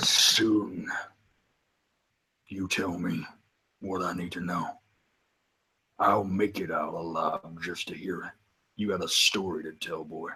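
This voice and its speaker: Growling in a put-on character voice, a man speaks at a very deep, low pitch. His pace is fairly slow, with long, frequent pauses. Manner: snarling, angry.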